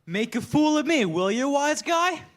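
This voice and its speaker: A man's voice: extremely high pitch, sing-song, a little slow, fairly bright tone, exaggerated voice. A man playing a vicious, hot-headed henchman in a staged comedy reading. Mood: angry, menacing.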